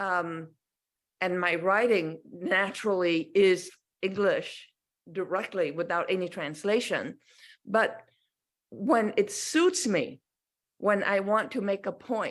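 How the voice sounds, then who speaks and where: In a Vietnamese accent, a woman of medium pitch speaks at a very slow pace with long, frequent pauses and ordinary pitch variation. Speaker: novelist. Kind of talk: panel discussion. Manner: halting, many fillers.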